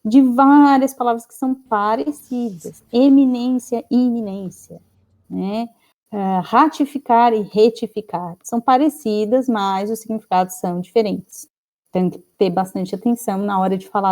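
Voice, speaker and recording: Brazilian woman teaching grammar, mellow voice. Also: mid-range voice, normal speed. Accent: Brazilian Portuguese. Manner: explanatory, frequent "né?" and "tá?" tags. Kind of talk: online class lecture.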